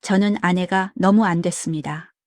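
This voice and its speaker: A woman narrating a scripted family drama in a plain, even storytelling voice. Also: fairly low pitch, moderate pace, no echo.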